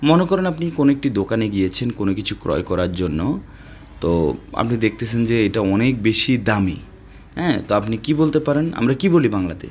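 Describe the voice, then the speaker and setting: A man teaching Arabic phrases in a casual spoken lesson, repeating words slowly and lecturing his viewers. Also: lowish voice, expressive, darkish tone, a little hiss or hum.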